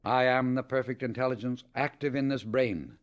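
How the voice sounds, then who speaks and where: A man narrating a scripted spiritual audiobook in a measured, emphatic, instructional manner. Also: medium pitch.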